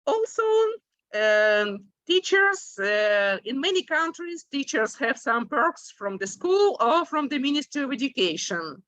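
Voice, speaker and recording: A woman's voice: high-pitched, sing-song, a bit bright, no room sound. A woman in her forties from Ukraine, a native Russian speaker, giving a conference presentation in English with many hesitant "uh"s. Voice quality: frequent hesitations, many drawn-out "uh"s. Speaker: symposium presenter, English teacher.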